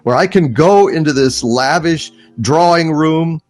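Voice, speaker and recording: Guy in casual chat, middling pitch, halting but into it, music behind. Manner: halting, enthusiastic. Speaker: guest on a panel livestream.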